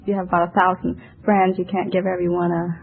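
A woman's voice: fairly low pitch, flat delivery, fast talker, vocal fry, heavy background noise. A woman of twenty-one from Canton, China, giving casual answers as a quiz show contestant. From born in Canton, China. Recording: old radio broadcast, narrow band.

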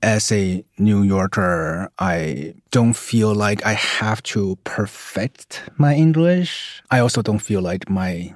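A man from Taiwan, a native Mandarin speaker, talking thoughtfully in a measured way as an audio journalist in an interview. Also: fairly low pitch, lively intonation, dry recording, clean studio sound. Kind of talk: reflective interview talk.

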